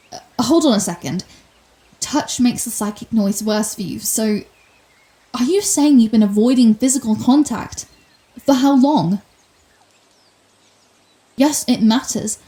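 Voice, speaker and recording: A woman's voice: on the high side, dark tone, natural voice, rough recording. A woman playing a sardonic telepathic supervillain in an ASMR roleplay, theatrical and sarcastic, menacing with a hidden compassionate streak. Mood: softening, concerned. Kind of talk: ASMR roleplay audio drama.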